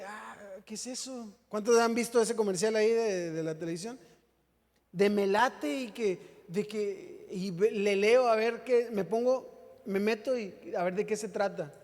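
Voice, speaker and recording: A man preaches in a high voice, trading jokes and questions with his congregation. His sermon is relaxed and chatty rather than formal. The church hall leaves a long echo trailing behind each phrase. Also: a little slow. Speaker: pastor. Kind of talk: humorous conversational sermon.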